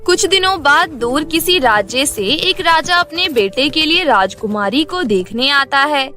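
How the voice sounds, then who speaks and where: Very high-pitched woman storyteller. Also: lively intonation, unhurried, pushed and bright. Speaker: narrator. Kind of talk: scripted children's story narration. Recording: music bed behind the voice.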